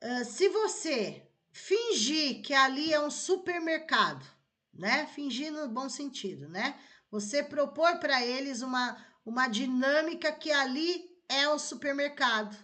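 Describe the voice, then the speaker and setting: Brief: Brazilian woman teacher, higher bright voice, chatty, keeps checking listeners follow. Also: animated, unhurried. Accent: Brazilian Portuguese. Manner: conversational, checks understanding with tags like "tá?" and "né?". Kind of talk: explanatory lesson.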